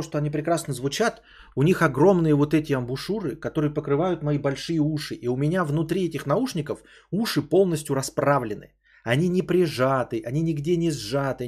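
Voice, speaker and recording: A man's voice: fairly high pitch, fairly quick, darkish tone, husky. A man hosting a live podcast, reading donation messages and rambling through answers with many fillers. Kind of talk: casual live-stream chat.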